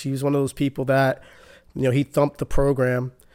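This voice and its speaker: On a very clean recording with a silent background, a man speaks with a slight Boston accent. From Boston, Massachusetts. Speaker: recovering alcoholic sharing story.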